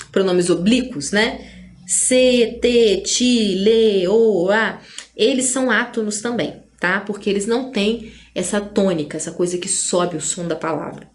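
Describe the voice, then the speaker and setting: A woman's voice: medium pitch, expressive, measured pace. A woman with a Brazilian Portuguese accent teaching an online grammar lesson, explaining patiently and checking in often with her listeners.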